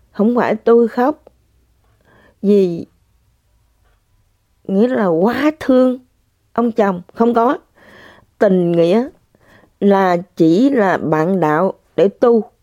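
Slow, earnest older woman, muffled. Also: mid-range voice, dark tone, no echo. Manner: earnest, addresses listeners directly, repeats herself. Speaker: spiritual practitioner sharing testimony. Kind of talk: emotional personal testimony. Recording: dull lo-fi sound.

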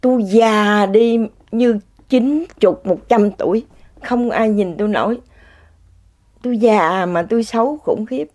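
A woman's voice: mid-range voice, measured pace, darkish tone. Woman, personal testimony, exclamatory, laughs often. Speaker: speaker sharing a personal story. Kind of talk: casual spoken testimony.

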